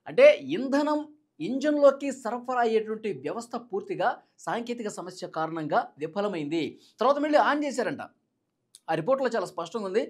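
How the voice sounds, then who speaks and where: Husky, emphatic Telugu news presenter. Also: mid-range voice, animated, fairly quick, darkish tone. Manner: dramatic, emphatic, repeats key points. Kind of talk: explanatory news commentary.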